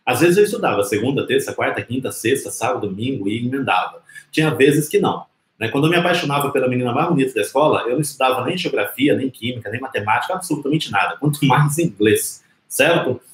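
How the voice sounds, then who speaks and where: A man's voice: mid-range voice, lively intonation, quick pace, hardly any pauses. Brazilian male teacher, mid-range voice, informal and explanatory live-lesson delivery, roomy echoing sound. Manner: conversational, didactic, with rhetorical questions and tag checks. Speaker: English teacher and live stream host. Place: small indoor room with whiteboard.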